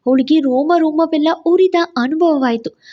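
A woman telling a romance audio story in an expressive, emphatic narrating style. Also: sits high, moderate pace, lo-fi sound.

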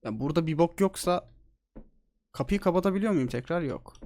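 Excitable, foul-mouthed male gamer. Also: a little high, a little fast. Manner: excitable, swears a lot, jokey. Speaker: gaming streamer. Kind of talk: let's play commentary.

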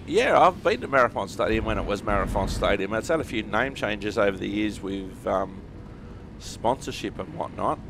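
Low-voiced Australian man over engine noise. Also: animated, moderate pace. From Australia (Western Sydney). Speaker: host of a truck simulator gaming series. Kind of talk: casual chat while playing a driving game. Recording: vehicle engine and road noise behind voice. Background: truck simulator game sounds, engine and road.

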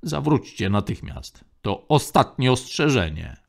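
A stern navy lieutenant, which a man voices in a spoken space saga. He barks his orders, firm and pressed. A gravelly edge runs under his raised voice. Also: medium pitch, sing-song, measured pace, heavily acted. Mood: commanding. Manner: barking orders. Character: stern male navy lieutenant, harried and commanding.

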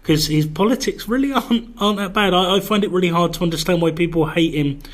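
A man's voice: sits high, quick pace. A man co-hosting a casual podcast chat, talking hesitantly with ums and trailing restarts, sitting close to the microphone at the table. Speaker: podcast co-host. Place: big echoey box used as studio.

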